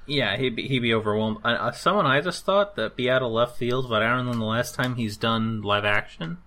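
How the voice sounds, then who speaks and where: A man's voice: medium pitch, brisk, bright, forceful tone. A young man in a casual podcast chat, rambling and laughing between his words.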